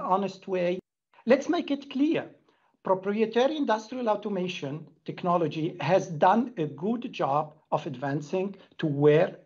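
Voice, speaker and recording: A middle-aged man delivers a prepared business presentation with earnest emphasis. His voice is husky and rough-edged. The sound is slightly dull, as on a video call. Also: sits high, darkish tone. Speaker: company executive presenter. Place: indoor room, plain wall.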